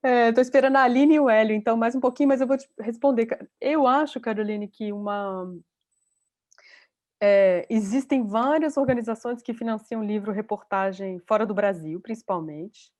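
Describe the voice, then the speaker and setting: A woman's voice: on the high side, normal speed, a little mellow. A woman teaching an online journalism class over a video call, talking in a chatty way and thinking aloud. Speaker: journalism course instructor.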